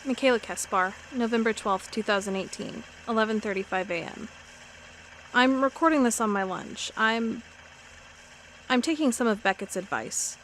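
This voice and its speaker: An actress playing an uneasy, dogged FBI agent dictating case notes in an audio drama, halting and conversational. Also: female voice, a little high, fairly bright tone, a little hiss or hum, close to an everyday voice. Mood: businesslike, uneasy. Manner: halting, conversational, self-correcting. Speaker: FBI records agent character. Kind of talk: audio drama monologue, spoken like a recorded log.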